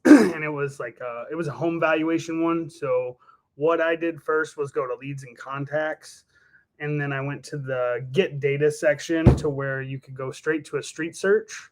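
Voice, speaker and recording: A man casually walking through a software task step by step in an informal, explanatory way. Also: medium pitch. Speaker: software demonstrator.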